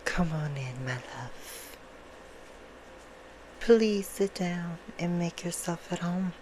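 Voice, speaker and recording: A woman voicing a seductive, courtly vampire hostess for ASMR, soothing and sinister, in a slow, hushed half-whisper. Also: fairly low pitch, expressive, rough recording. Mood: soothing, inviting. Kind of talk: ASMR roleplay, bedtime storytelling. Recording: clear background noise.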